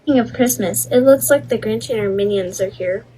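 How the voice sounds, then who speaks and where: A woman playing a snooty, short-tempered schoolgirl bully with a bossy, mocking manner in an animated roleplay story. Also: fairly high pitch, brisk, husky, poor audio. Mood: smug, mocking.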